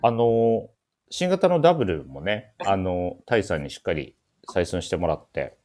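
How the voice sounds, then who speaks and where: A man's voice: low voice, very animated, moderate pace, darkish tone. A man hosting a casual radio talk show, chatting with guests and reading out listener letters.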